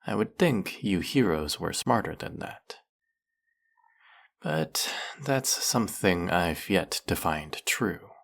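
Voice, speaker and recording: An actor playing a suave snake-headed male villain who teases his captive in an audio roleplay, with a slow, mocking, silky manner. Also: low-pitched, animated, vocal fry, full character voice.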